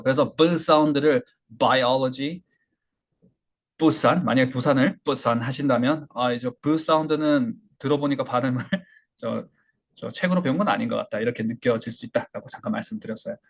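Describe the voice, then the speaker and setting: A man's voice: mid-range voice, gravelly. A man teaching English pronunciation in a lecture, speaking with a Korean accent, demonstrating sounds and repeating example words. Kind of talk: online English lesson.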